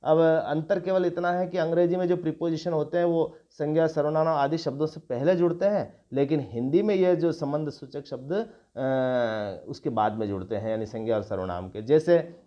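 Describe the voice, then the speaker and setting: A middle-aged man gives a classroom grammar lecture at a measured, patient pace. He restates each term and works through lists of examples with pauses and small fillers. The recording is dull and lo-fi. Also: fairly high pitch. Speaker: Hindi grammar teacher.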